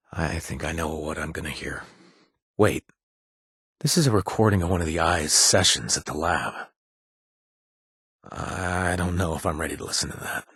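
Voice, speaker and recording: An actor playing an earnest, haunted reformed raider in a post-apocalyptic video game, talking in a halting, confiding, casual way with a husky voice. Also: male voice, low-pitched, fairly bright tone, dry recording, clean studio sound, heavily acted. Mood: remorseful, hesitant. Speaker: companion character in a video game. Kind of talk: conversational video game acting.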